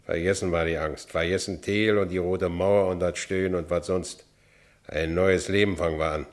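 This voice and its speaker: Man playing working-class Berlin ex-convict, low voice, Berlin accent, earnest striver, radio drama narration. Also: fairly even intonation, moderate pace, close to an everyday voice. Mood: resolute. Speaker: narrator and lead character.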